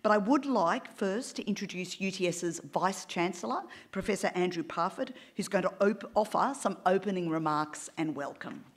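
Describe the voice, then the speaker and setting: A middle-aged woman hosts from a lectern microphone on an auditorium stage. Her voice sits a little low for a woman. She speaks in a measured, welcoming way, making formal introductions. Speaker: event host.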